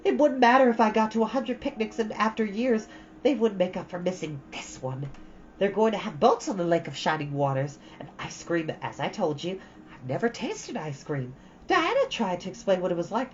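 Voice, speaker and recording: Woman playing a dreamy, animated chatterbox girl, muffled audio. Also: mid-range voice, fairly quick, lightly acted. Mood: gushing, wistful. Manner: gushing, dramatic, earnest. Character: dreamy, chattering, romantic young orphan girl. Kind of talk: storybook read-aloud. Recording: dull, lo-fi, faint background noise.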